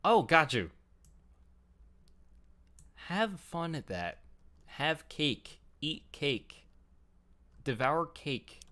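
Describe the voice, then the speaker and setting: A man's voice: fairly high pitch, big pitch swings, extremely slow, pauses often, bright, forceful tone. A man hosting a casual group chat on a livestream, talking in a rambling, jokey, self-deprecating way. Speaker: host of a fan livestream talk show. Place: home computer setup, online group call. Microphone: headset.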